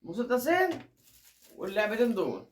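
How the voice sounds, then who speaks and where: A man's voice: high voice, big pitch swings, a little fast. A man with an Egyptian Arabic accent co-hosting a family unboxing video in playful banter. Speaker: family channel co-host. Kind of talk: casual unboxing chat.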